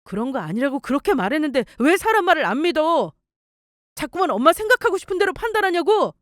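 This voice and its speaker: A woman's voice: high-pitched, big pitch swings, fast talker, no echo, clean studio sound, pitched above the performer's own voice. A woman voicing a frustrated young husband who argues defensively with his mother in a story radio drama. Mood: exasperated. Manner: exasperated, pleading, defensive.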